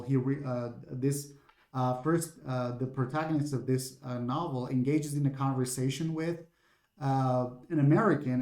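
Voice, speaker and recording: A man's voice: mid-range voice, a little mellow, echoey room. A man with an Iranian accent, a native Persian speaker, giving an informal webinar lecture on literature and thinking aloud with many fillers and restarts. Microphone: computer mic on a video call.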